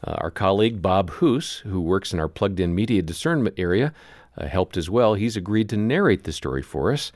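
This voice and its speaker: A man's voice: low voice, big pitch swings, a little fast, a little mellow, dry recording, clean studio sound. A mature man co-hosting a radio show in a conversational broadcast style. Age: middle-aged or older.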